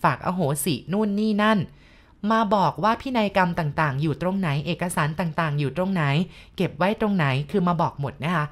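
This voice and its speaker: Lowish-voiced woman telling a ghost story. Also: a little fast. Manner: addresses listeners directly, polite particles. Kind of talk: storytelling to listeners.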